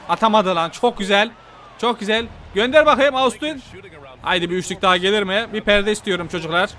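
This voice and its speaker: Excitable high-voiced man calling his game. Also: slight background noise. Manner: excitable, talks to the game players and viewers. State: voice going hoarse. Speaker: gaming YouTuber. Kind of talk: excited gameplay commentary.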